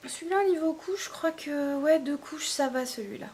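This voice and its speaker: A woman's voice: high voice, normal speed, darkish tone. A woman giving a casual, chatty product review, hesitating often with fillers. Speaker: beauty vlogger.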